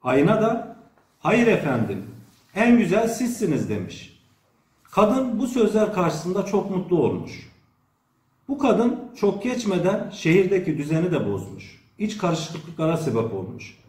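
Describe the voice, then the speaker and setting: A middle-aged man reading a children's fairy tale in an expressive storytelling way, letting his sentence endings fall away. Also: sits high, unhurried. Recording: roomy, echoing sound.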